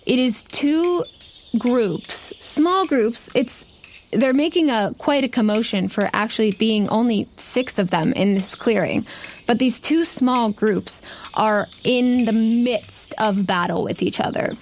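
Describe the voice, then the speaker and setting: A woman's voice: on the high side, slow, slight background noise. A woman narrating a tabletop roleplaying game as game master, describing scenes in a conversational, improvised way.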